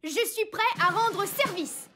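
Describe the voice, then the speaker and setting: Cartoon lead: childlike boy alien hero, very high voice, earnest leader, prominent music behind. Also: unhurried. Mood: eager. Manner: earnest, commanding. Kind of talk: cartoon dub acting.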